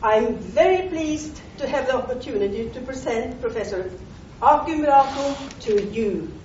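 A fairly high-voiced woman formally introduces a guest speaker, reading from prepared notes. She is heard from a distance in a roomy hall, the sound muffled with faint room noise behind. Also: animated, moderate pace, a little mellow. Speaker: event host introducing the speaker. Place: lecture hall.

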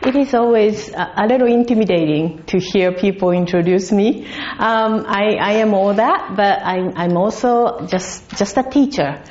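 A woman's voice: medium pitch, moderate pace, few pauses, a little mellow, highs cut off, slight background noise. A woman from Japan, giving a chatty conference talk with many restarts and questions to the audience in a darkened lecture hall. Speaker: guest lecturer.

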